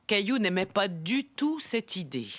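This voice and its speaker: A woman as a friendly storyteller narrating a children's cartoon, with clear storybook phrasing. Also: mid-range voice, big pitch swings, measured pace, fairly bright tone. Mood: storytelling.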